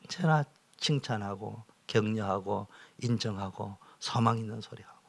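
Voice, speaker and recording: A middle-aged male pastor, preaching a training lecture, swinging from loud exhortation to whispers. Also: lowish voice, normal speed, gravelly. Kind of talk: sermon-style training lecture.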